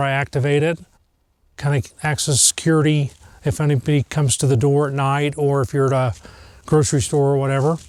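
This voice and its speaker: A man with an ordinary speaking voice and an American accent talks at a moderate pace, his fairly high pitch held in fairly even intonation, in a very clean recording with a silent background. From England-born, raised across the US. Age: 50s. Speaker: bus dweller and DIY builder. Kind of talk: casual home tour.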